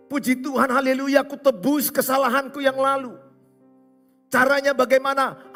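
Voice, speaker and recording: A pastor preaching a sermon, hammering points home with repetition and rhetorical questions. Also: male voice, extremely high pitch, fairly bright tone. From Indonesia. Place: large church hall. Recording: reverberant church hall with music.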